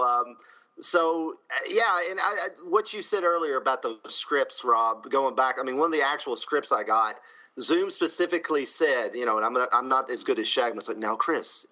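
A man co-hosting a podcast, telling a story in an animated, chatty way. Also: medium pitch, highs cut off. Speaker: podcast co-host. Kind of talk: casual podcast chat.

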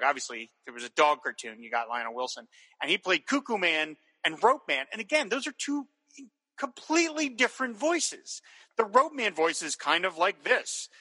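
Man, podcast co-host, enthusiastic, rambling, very bright voice, long reverb. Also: a little high. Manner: enthusiastic, rambling with many restarts. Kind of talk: casual chat reviewing old cartoons.

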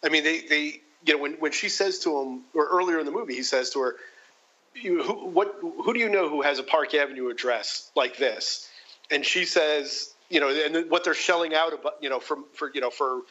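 Male co-host, bright and eager, dull-sounding recording. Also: a little high, normal speed. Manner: enthusiastic, builds points with many restarts. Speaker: podcast co-host. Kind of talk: casual film discussion.

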